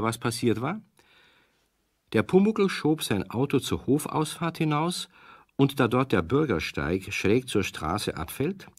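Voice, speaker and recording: A man narrating a children's audio story, conversational and animated, as if talking to young listeners. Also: mid-range voice, dry recording, studio quality. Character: chatty male storyteller addressing young listeners.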